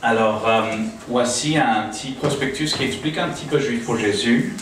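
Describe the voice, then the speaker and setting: A man's voice: medium pitch, normal speed, a bit bright. A man from the United States speaking informally to a small church gathering, hesitant, with many fillers and restarts. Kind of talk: informal talk to a small congregation. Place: living room used for a home church. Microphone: distant camera, speaking through a small PA. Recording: echoey room from a distant camera, audible noise.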